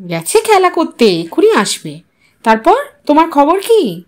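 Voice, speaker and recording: A woman's voice: sits high, huge pitch swings, a little slow, exaggerated voice. A woman voicing a joking man of modest means who banters as he hosts, in an audio story. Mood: casual. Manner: bantering, familiar.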